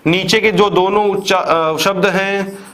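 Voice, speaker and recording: In an unhurried, steady way, a man with a high, slightly bright voice and an Indian accent teaches grammar to exam students. He's an English teacher for exam prep delivering a classroom lecture, answering his own questions and repeating examples step by step.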